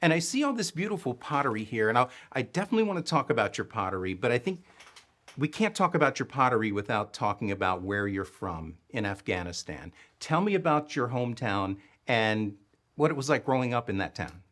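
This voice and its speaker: A man's voice: medium pitch, big pitch swings, brisk, fairly bright tone. A man hosting a conversational on-location interview, speaking in an informal, enthusiastic way. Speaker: host interviewer.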